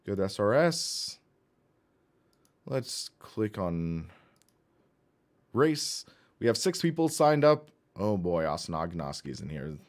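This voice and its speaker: A man with a hoarse voice casually narrating a sim racing live stream, thinking aloud as he goes. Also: lowish voice, sing-song, takes it slowly, long pauses. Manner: chatty, thinks aloud while clicking menus.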